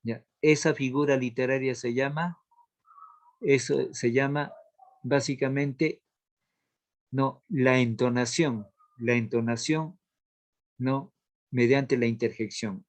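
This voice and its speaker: A man teaching a literature class, explaining slowly and repeating key terms so students can take notes. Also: mid-range voice. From Latin America. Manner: slow, repeats key terms for note-taking. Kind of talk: classroom lesson.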